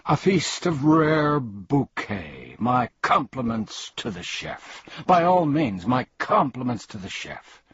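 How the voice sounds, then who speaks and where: 男演员演绎的自负又啰嗦的虫子,音调高扬,嗓音沙哑. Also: male voice, mid-range voice, sing-song, slow, hardly any pauses, breathy edge, no room sound, muffled recording, voice pushed up, heavily acted. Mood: pompous, flattering. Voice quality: wheezy. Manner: florid, repetitive wordplay. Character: pompous, long-winded humbug bug, excitable and greedy. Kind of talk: storybook character reading.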